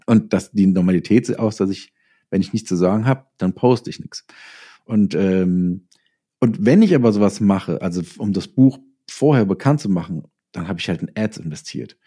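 Male author guest, middle-aged. Low and dark, relaxed timbre, reflective casual talk. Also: normal speed, breathy edge. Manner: reflective, explains through self-quotes. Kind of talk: casual conversational interview talk.

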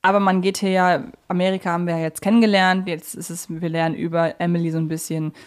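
A woman's voice: lowish voice, level tone, fast talker. A woman hosting a podcast, chatting casually about fictional characters in a conversational discussion. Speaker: podcast host.

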